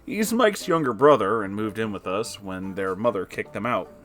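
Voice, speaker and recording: A man's voice: on the low side, lively intonation, moderate pace, a bit bright, soft background music. A man reading an online post aloud, breaking off now and then with disgusted reactions. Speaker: story reader.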